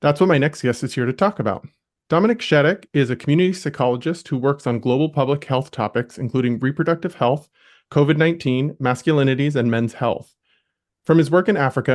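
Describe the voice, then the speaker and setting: A male podcast host speaks at an ordinary middle pitch, affirming his guest and laughing easily. He reads introductions and asks open questions in an encouraging, upbeat way. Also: a little mellow. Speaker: podcast host, life coach. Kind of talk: interview hosting.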